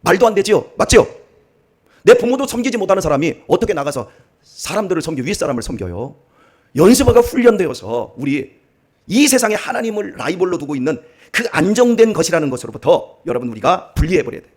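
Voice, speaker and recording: A middle-aged man, a pastor, preaching a dawn sermon in a church, swinging from soft asides to emphatic exhortation. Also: sits high, very animated, fast. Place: church sanctuary.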